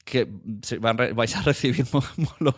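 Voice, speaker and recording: A man with a Spain Spanish accent hosting a casual podcast chat, thinking aloud in halting, self-correcting phrases. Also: mid-range voice. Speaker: podcast host. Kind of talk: casual conversational interview.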